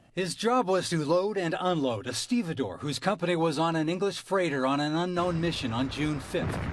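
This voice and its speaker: Over noticeable background noise, a man with a high pitch talks at a moderate pace with ordinary pitch variation, very even loudness and hardly any pauses. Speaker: TV news reporter. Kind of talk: TV news report.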